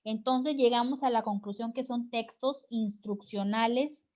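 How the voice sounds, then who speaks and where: Teacher: woman, fairly high voice, encouraging, leads an online class over a video call. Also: steady tone, a little slow, a little mellow. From Mexico. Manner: encouraging, frequent "¿verdad?" tag questions.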